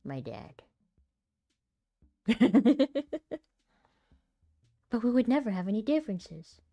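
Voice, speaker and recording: A woman with a small, light voice, chatting casually and thinking out loud between practice lines, giggly and self-deprecating. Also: fairly high pitch, sing-song, slow pace, no room sound, dull audio. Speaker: aspiring voice actor and content creator. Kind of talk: casual vlog talk while practicing voice lines.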